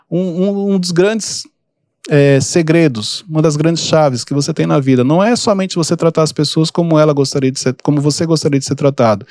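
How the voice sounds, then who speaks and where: A man with a Brazilian Portuguese accent hosting a podcast, giving easygoing, calm advice in a casual, explanatory way. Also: a little high, vocal fry, no room sound, clean studio sound. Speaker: podcast host and mentor.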